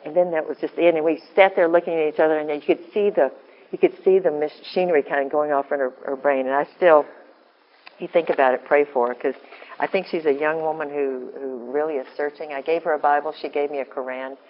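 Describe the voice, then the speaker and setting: A woman with a deep voice giving an informal, earnest talk to a women's group, often breaking off and restarting. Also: steady tone, fast, dull audio. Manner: rambling, self-interrupting, earnest. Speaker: women's ministry speaker.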